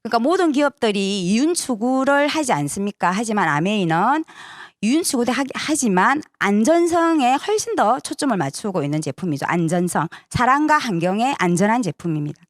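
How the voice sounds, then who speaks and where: A woman's voice: on the high side, sing-song, fairly quick, few pauses, dry recording, studio quality. A woman presenting a sales seminar to an audience, persuasive, often asking for agreement with short tag questions.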